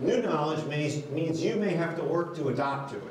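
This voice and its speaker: A man talks at a fairly quick pace, with audible room echo and light background noise behind him. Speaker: guest. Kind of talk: lecture. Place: hall.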